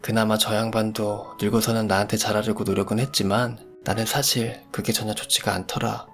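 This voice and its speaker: A man voicing a bitter, fed-up older mother-in-law in a storytelling radio drama, his voice raised higher for her. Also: flat delivery, brisk, fairly bright tone, faint music behind. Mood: resigned. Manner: accusing, then tearful and resigned.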